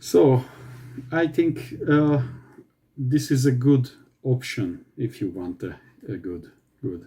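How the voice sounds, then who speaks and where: In a Hungarian accent, the speaker talks very slowly with long, frequent pauses, a dark, mellow, somewhat breathy tone and lively intonation. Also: man. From Hungary. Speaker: bass guitar reviewer. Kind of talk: product demo. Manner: halting.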